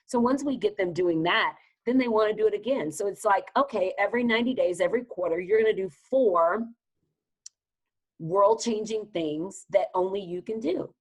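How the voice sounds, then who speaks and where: A woman from Texas with a Southern accent, speaking as a guest in a podcast interview with an energetic, emphatic, motivational way of talking. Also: medium pitch, moderate pace, poor audio. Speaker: guest business advisor.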